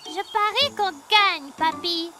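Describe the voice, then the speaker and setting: A woman voicing a curious, excitable four-year-old boy in a dubbed children's cartoon. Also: extremely high pitch, slow pace, loud music behind the voice. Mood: excited, eager.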